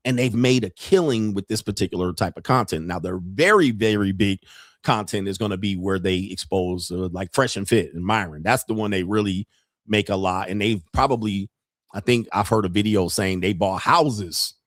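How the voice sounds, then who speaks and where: A man's voice: lowish voice, normal speed, no echo, clean studio sound. A man hosting a casual commentary livestream, joking and rambling in slangy talk. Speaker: podcast host.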